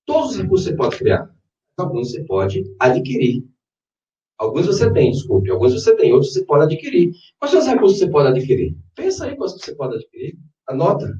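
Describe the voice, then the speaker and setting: Animated Brazilian man, distant roomy sound. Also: fairly high pitch, lo-fi sound. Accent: Brazilian Portuguese. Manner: instructive, persuasive, checks in with short questions. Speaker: NLP trainer leading a live workshop. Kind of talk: public workshop talk and guided visualization. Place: echoey room, live session in front of a group.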